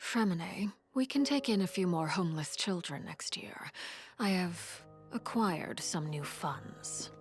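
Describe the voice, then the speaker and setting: A woman voicing a stern, cold female leader of an orphanage who gives calm, measured, hushed commands. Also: on the low side. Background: game music score.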